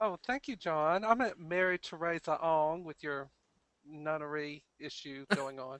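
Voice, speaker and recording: This is an ordinary speaking voice with an American accent, at a fairly slow pace with ordinary pitch variation and big swings in loudness. The sound is dry and close, with no echo. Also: man, fairly high pitch for a man. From US South. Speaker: podcast guest. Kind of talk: casual chat. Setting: video call.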